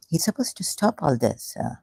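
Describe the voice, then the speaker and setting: A speaker from Pakistan, an online religion commentator rambling through a solo livestream in a halting, emotional way with many broken-off phrases. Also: mid-range voice, vocal fry, slightly rough, no room sound, studio quality. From Pakistan, grew up in Karachi.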